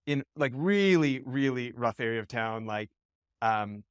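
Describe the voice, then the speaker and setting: A man's voice: mid-range voice, animated, a little slow, clean tone, dry recording. A man from Western Canada hosting an interview, asking rambling questions full of restarts and fillers. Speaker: podcast host. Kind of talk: casual interview.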